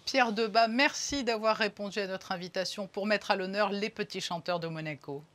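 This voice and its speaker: An interviewer asking polite, measured questions in a TV studio. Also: medium pitch, fairly bright tone.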